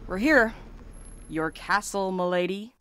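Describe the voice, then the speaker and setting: A woman's voice: medium pitch, a little slow, fairly bright tone, a little hiss or hum, close to an everyday voice. An actress playing a blunt, sardonic, jaded woman courier in a naturalistic audio drama. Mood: softened, wry. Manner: sardonic, hard-edged and blunt.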